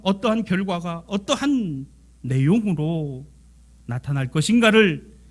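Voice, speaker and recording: A pastor delivering a Sunday sermon in a high-pitched voice. He presses hard on key phrases, then drops to near-whispers. Slow, deliberate stretches alternate with quicker asides. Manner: preaching with dramatic swings between loud emphasis and hushed near-whispers.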